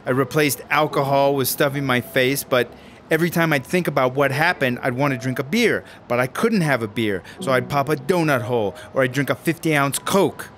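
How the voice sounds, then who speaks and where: A man playing a needy, aggrieved, guilt-ridden screenwriter in a radio drama, with an excitable, slangy way of talking. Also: mid-range voice, a little hiss or hum, close to an everyday voice. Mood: guilty, pleading. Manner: excitable, slangy, halting when upset. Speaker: actor in a serialized radio drama. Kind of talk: naturalistic radio drama acting.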